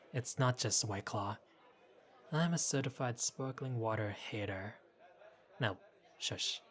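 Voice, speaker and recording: A man's voice: mid-range voice, takes it slowly, long pauses, a bit bright, some chatter behind. A man playing a flirty, easygoing bartender who teases and chats with a patron in an audio roleplay. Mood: teasing. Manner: playful, teasing, casual. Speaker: bartender character. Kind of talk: intimate audio roleplay, conversational acting.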